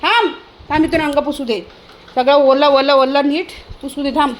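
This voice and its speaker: A woman with a high, bright-pitched voice records a casual home vlog. She chats to her viewers and keeps breaking off to call out sharply to her dog. A faint hiss sits under her voice. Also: steady tone, normal speed. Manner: chatty, often calls out sharply to a dog. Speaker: vlogger.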